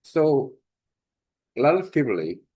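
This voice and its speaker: Slow, halting Korean-accented man. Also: mid-range voice, sing-song, a little mellow, slightly rough. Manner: halting, many fillers and restarts. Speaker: language exchange host. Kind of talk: informal spoken lesson.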